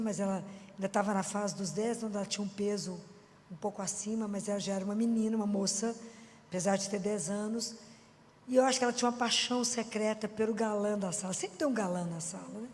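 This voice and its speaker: Woman, Minas Gerais accent, mid-pitched voice, informal sermon, rhetorical questions, long hall echo. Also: steady tone, fast, a little mellow. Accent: Minas Gerais Portuguese. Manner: chatty, full of rhetorical questions. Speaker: Christian speaker. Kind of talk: informal preaching to an audience.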